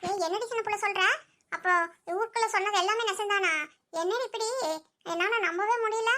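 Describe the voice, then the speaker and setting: A very high, bright cartoon voice of a prying village gossip who lectures her friend, played by a performer. She talks quickly. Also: steady tone. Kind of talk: cartoon voice acting.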